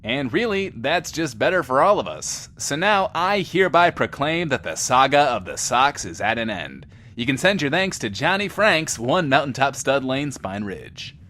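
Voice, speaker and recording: A showy, sardonic wasteland radio host. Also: male voice, medium pitch, very animated, moderate pace, sharp tone, slight background noise. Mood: mock-grand. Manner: wry, showy, mock-grand. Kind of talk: in-world radio show audio drama.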